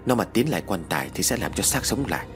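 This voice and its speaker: A man's voice: deep voice, big pitch swings, fast, over music. A man voicing a stern, bossy older uncle who scolds the family. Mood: warning. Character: angry stern older uncle, Bác Phùng.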